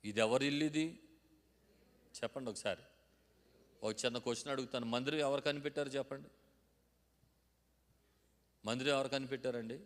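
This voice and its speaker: A male pastor preaching a sermon to a congregation, calling for responses and building to loud emphatic peaks. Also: mid-range voice, fairly even intonation, brisk, pauses often. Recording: long hall reverb.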